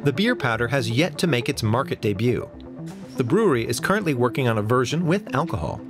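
A man reads a scripted news report in a steady, measured voice. His pitch moves freely up and down. Soft music plays beneath the narration. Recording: voice-over with faint music.

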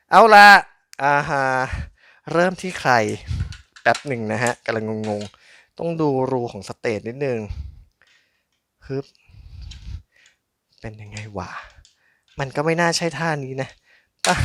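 A man's voice: medium pitch, expressive, takes it slowly, pauses often, bright, forceful tone. A man hosting a casual unboxing video, chatting politely and thinking aloud as he handles things. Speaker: host of a collectible toy unboxing channel. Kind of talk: casual hands-on unboxing commentary.

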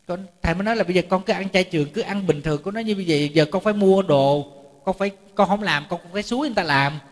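A man, a Buddhist monk giving a chatty storytelling sermon, often repeating words and joking with his audience. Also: on the high side. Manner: jokes with the audience. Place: temple lecture hall. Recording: reverberant hall.

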